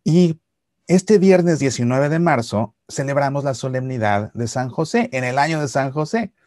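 A middle-aged man giving a Catholic reflection to camera, explaining patiently and slowing for solemn lines. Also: medium pitch, expressive, no echo, studio quality. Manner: warm explanatory storytelling, slows for solemn lines. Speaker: Catholic YouTuber. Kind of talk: reflective religious talk to camera. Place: Seattle archdiocese series.

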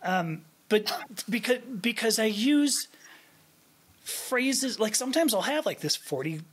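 A woman's voice: a little high, animated, a little slow, breathy edge. A middle-aged woman hosting a podcast from home, talking in a hesitant, self-deprecating way into a desk mic. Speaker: podcast host. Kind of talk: casual conversational interview. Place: home room with bookshelves. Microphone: desk microphone.

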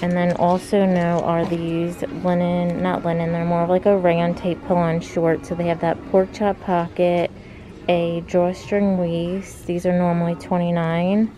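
A woman's voice: on the low side, flat delivery, measured pace, rough recording. A young woman chatting casually as she films herself shopping in a clothing store, talking with lots of "like" fillers. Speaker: fashion vlogger. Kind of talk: casual shop-with-me narration. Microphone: handheld phone camera. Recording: background music playing over voice.

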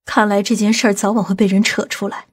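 A woman playing a stern, commanding woman from a powerful family in an audiobook drama, speaking gravely and deliberately. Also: mid-range voice, flat delivery, natural voice. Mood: stern, insistent.

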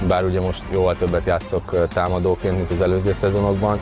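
A man's voice: sits low, level tone. A man in his twenties, a footballer, giving hesitant interview answers with repeated words, close on a lapel mic. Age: 20s. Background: music.

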